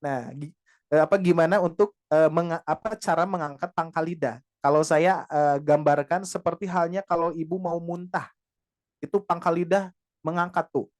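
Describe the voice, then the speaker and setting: A man teaching Quran pronunciation to a class of women, patiently modeling each sound slowly and repeating it. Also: fairly high pitch, fairly even intonation. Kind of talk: tajweed lesson to women.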